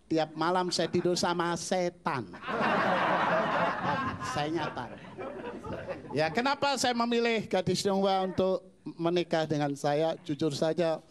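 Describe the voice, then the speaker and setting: A man's voice: fairly high pitch, unhurried, pauses often. A man who is a pastor doing stand-up comedy with boastful, self-mocking jokes. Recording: stage mic with audience noise. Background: audience laughter and cheering.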